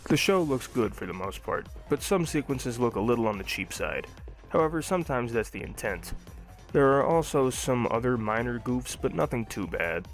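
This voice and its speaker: A young adult man narrating a scripted cartoon review. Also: medium pitch.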